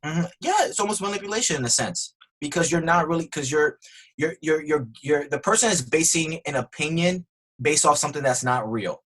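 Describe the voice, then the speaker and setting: A man's voice: fairly high pitch, expressive, a little fast, fairly bright tone, poor audio. A man being interviewed on a podcast, earnestly explaining his views step by step, with frequent restarts. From Spanish family background. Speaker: guest.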